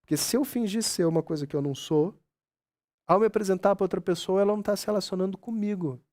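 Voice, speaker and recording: A man's voice: high-pitched, fast, a little mellow. A man giving a conversational spiritual talk to an audience, often asking if they understand. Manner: conversational, keeps asking "sabe?" and "você entende?"; acts out quoted dialogue with his mother. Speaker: spiritual speaker.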